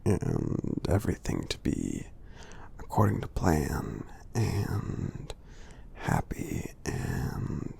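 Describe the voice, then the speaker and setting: A man voicing a kindly, reassuring giant in a soothing ASMR roleplay, half-whispering with a husky, gravelly creak and halting delivery. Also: low-pitched, darkish tone, slight background noise, heavily acted. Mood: gentle, reassuring. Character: gentle friendly male giant, kindly and reassuring. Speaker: ASMR performer.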